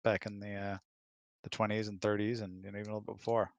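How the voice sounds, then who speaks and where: A man with a slightly low voice answers questions in a casual chat. He is laid-back and dryly funny, pausing to think, with a close, dry sound. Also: level tone, dry recording, highs cut off. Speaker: husband of the host, guest.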